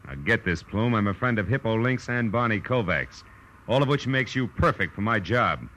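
A hard-boiled, wisecracking private eye in a vintage radio show. His low voice is bright, punchy and animated, with brisk slangy command. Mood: tough, pushy. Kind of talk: 1940s radio detective drama acting.

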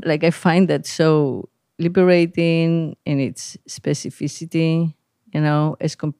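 A woman's voice: deep voice, steady tone, a little slow, mellow, smooth, no echo. Middle aged woman from greece hosting a podcast, rambly and chatty with lots of ums and laughs, dry sound. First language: Greek. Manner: rambling, many fillers, laughs often. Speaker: podcast host. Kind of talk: casual conversation.

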